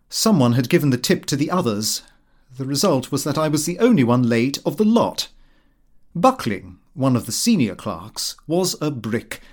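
British man reading with very lively intonation. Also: medium pitch. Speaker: audiobook reader. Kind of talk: scripted narration of a comic fictional diary, read in character as the diarist.

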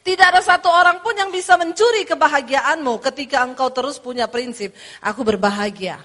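Lady pastor preaching, high bright voice, lively and funny, keeps asking for amen. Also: brisk. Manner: lively humorous storytelling, calls for amen. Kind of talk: sermon.

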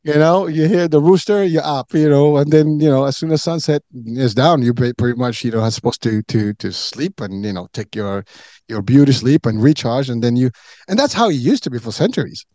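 A man's voice: mid-range voice, animated, a little fast, mellow, dry recording. A middle-aged man from Morocco chatting as a podcast guest, rambling with many fillers and restarts. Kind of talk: casual chat.

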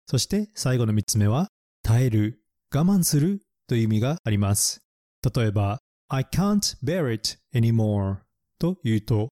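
A man narrating a bilingual lesson, explaining English words slowly and spelling them out letter by letter. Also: mid-range voice, warm tone, no room sound, studio quality.

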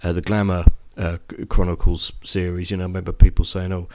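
A man's voice: deep voice, flat delivery, fast talker, a little mellow, a little hiss or hum. A man hosting a casual podcast interview, asking questions with frequent restarts and repeated words. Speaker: podcast host.

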